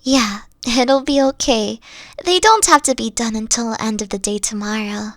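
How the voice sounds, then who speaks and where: A young woman voicing a weary, gentle fox-spirit girlfriend in an audio roleplay, soft-spoken and hesitant, often trailing off. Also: fairly high pitch, normal speed, dry recording, clean studio sound, lightly acted. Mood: tired, reassuring.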